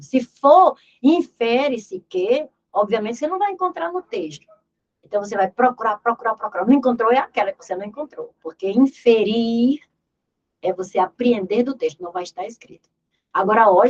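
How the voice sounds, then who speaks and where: A woman's voice: on the high side, highs cut off. A woman teaching an exam review lesson in Portuguese grammar, emphatic and repeating key words as she drills terms aloud.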